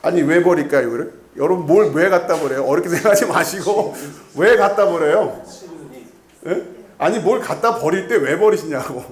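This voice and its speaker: A man's voice: fairly high pitch, lively intonation, moderate pace, echoey room. A male pastor preaching an expository sermon in a conversational way. He often puts questions to the congregation and repeats key words. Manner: asks the congregation frequent questions. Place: church sanctuary.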